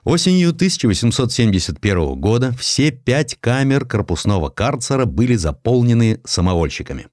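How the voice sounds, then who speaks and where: A man narrating a literary historical story as an audiobook, in a measured, theatrical storytelling manner. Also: mid-range voice, big pitch swings, darkish tone, no echo, studio quality. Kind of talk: expressive scripted literary narration.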